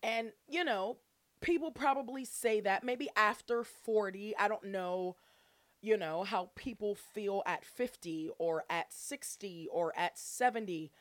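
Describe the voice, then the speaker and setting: A woman's voice: mid-range voice, a little slow, no room sound. A forty-year-old woman hosting a casual solo podcast, chatting in an exuberant, playful, chummy way straight to her listeners. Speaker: podcast host.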